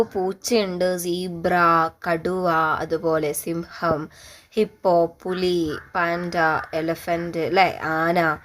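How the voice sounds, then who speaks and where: A woman teacher giving a gentle primary school lesson, coaxing young children with questions. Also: fairly low pitch.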